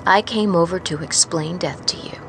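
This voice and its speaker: A woman's voice: fairly low pitch, normal speed, noisy background, close to an everyday voice. A woman voicing a monstrous, inhuman man who makes falsely pleasant, menacing small talk in an audio drama. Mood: sinister taunting.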